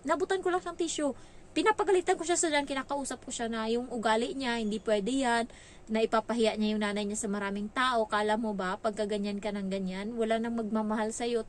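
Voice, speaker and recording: A woman's voice: fairly high pitch, a little hiss or hum. A woman from the Philippines who works as a nanny, candidly telling stories in a casual vlog and slipping English phrases into her talk. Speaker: nanny in Hong Kong.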